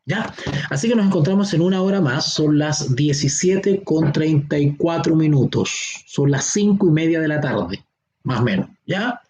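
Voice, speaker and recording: A man with a Chilean accent teaching a Bible seminar online. He explains slowly, stretches key words and keeps checking that his listeners follow. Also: fairly high pitch, animated, a little mellow. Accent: Chilean Spanish. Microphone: online class or teleconference.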